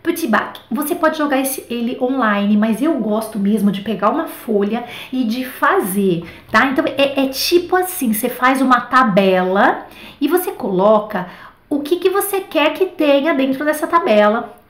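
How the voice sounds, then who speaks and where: A Brazilian woman leads a laid-back online French class, chatting animatedly and using lots of fillers such as "tá" and "né." She has a high voice and talks at a normal speed. The room around her is echoey.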